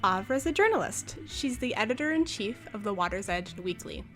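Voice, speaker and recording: A woman's voice: medium pitch, big pitch swings, brisk, soft background music. A woman playing a gracious, encouraging school leader in an audio drama, speaking politely and rather formally.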